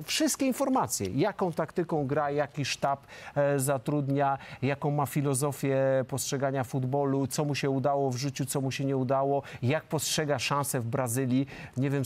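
A middle-aged man speaks as a football pundit in a large TV studio. His talk is fluent and emphatic, with frequent hesitation fillers, picked up by a lapel mic at a mid-range pitch. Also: a little mellow. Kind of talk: studio discussion.

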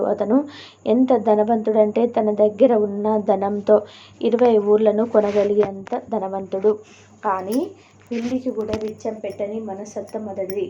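Woman storyteller, mellow, flat-toned delivery, dull lo-fi recording, earnest devotional narration. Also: medium pitch, a little hiss or hum. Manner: steady, earnest storytelling, voicing each character in her own tone.

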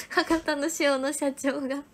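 High-voiced young woman, soft and whispery. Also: fairly even intonation, slow pace. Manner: soft, often whispery, thanking viewers one by one. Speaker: livestream host. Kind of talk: casual livestream chat reading viewer gifts.

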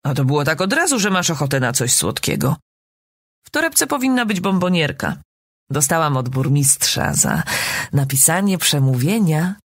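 A woman reading an audiobook, voicing a self-important middle-aged writer who is a mother, with a husky voice and a lofty, theatrical manner. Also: deep voice, sing-song, normal speed, dry recording, clean studio sound, exaggerated voice. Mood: soothing. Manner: lofty and theatrical, then soothing. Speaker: audiobook reader.

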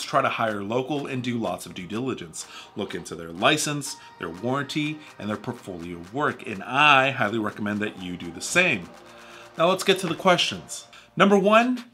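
Animated, bright-voiced man vlogging. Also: mid-range voice. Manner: animated, jokey, gestures widely with his hands. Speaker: home renovation YouTuber. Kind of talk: scripted advice talk to camera. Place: small home studio room with posters.

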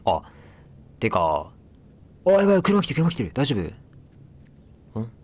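A man's voice: mid-range voice, wildly swooping pitch, unhurried, a little mellow. A man giving casual let's play commentary, chatting to the game and its characters as he plays. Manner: chatty, talks back at the game, apologizes for noise.

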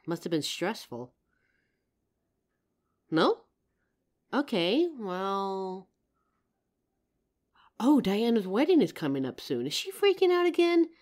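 A woman's voice: medium pitch, very animated, slow, pauses often, darkish tone. A woman playing a loving, protective girlfriend in an intimate comfort roleplay, tender and earnest with some teasing. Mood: gently concerned, then earnest, probing. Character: loving, protective girlfriend reassuring her partner. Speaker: audio roleplay performer.

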